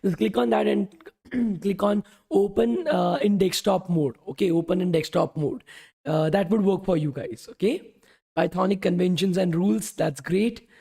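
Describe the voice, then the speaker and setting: Teaching a live coding class on stream, a young bootcamp instructor keeps things casual, peppering his speech with "okay" and "guys" while responding to the chat. His voice sits high and sounds creaky, mellow, and husky, tired after talking all day, and he keeps a moderate pace.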